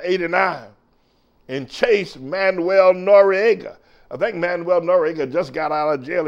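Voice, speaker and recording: A man's voice: fairly high pitch, creaky, lo-fi sound. An older American man preaching a fiery political sermon as a show host, emphatic and declamatory. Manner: emphatic, declamatory, swinging from shouts to muttered asides.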